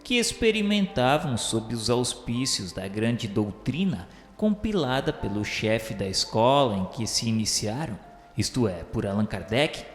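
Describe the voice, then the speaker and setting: A man with a Brazilian accent playing a solemn spirit who recounts his memoirs in formal, measured radio novel narration. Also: mid-range voice. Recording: echoing hall reverb over music.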